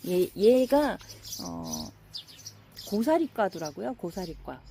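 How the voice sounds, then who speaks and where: Middle-aged woman, casual garden walk-through, relaxed dark timbre, fond chatter, light outdoor hiss. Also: medium pitch, takes it slowly, gravelly. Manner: chatty and admiring, many soft fillers. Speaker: gardening vlogger.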